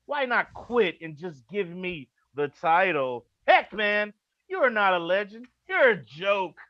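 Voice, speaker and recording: A man's voice: high voice, very animated, unhurried, dry recording. A man playing a cocky, boastful wrestling prince who taunts through a theatrical promo, in lo-fi audio. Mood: taunting.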